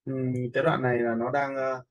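A man giving an informal step-by-step software tutorial as an instructor, often checking that viewers follow. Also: mid-range voice, little pitch movement, a little fast, highs cut off. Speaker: video editing instructor.

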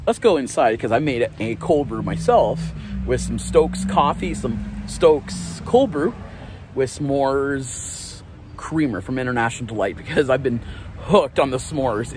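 A fairly high, slightly mellow voice belongs to this thirty-something vlogger chatting into a phone held at arm's length. His daily vlog is casual and rambling, full of self-corrections and small laughs, shot by a parking lot outdoors and on an armchair indoors. A little background noise can be heard.

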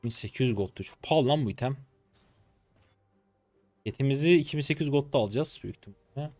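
Young man streaming a game, animated running commentary, faint music underneath. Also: medium pitch, quick pace. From Turkey. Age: 20s. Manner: excitable, swears casually, talks to viewers. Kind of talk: live gameplay commentary.

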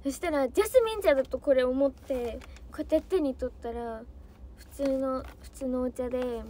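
A woman's voice: high-pitched, normal speed, dark tone, slight background noise. A young woman, an idol trainee, chatting casually on a livestream, bubbly and easily flustered as she answers comments.

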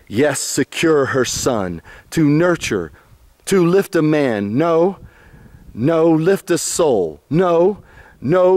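Slow, fervent man reciting poetry. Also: on the high side, a little mellow, no echo. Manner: fervent, halting, phrase by phrase. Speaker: poet reading his own poem.

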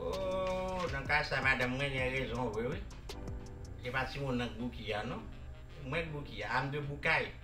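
Un homme jouant un tonton haïtien grandiloquent. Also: male voice, extremely high pitch, sing-song, measured pace, long pauses, exaggerated voice. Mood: grumbling. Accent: Haitian. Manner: ranting, repeats himself, loud exclamations. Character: bumbling older uncle, blustering and excitable. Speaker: comic lead. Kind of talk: comedy sketch acting. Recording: echoey room, distant mic, music behind.

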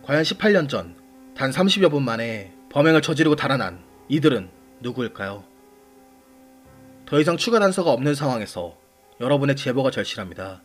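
A man hosting and narrating a scripted true-crime series in a measured, formal manner, putting questions to the audience. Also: mid-range voice. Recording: voice over background music. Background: background music.

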